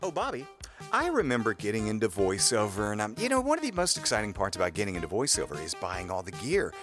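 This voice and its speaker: Animated low-voiced man hosting a podcast. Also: quick pace, over music. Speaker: podcast co-host. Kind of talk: conversational hosting and ad reads.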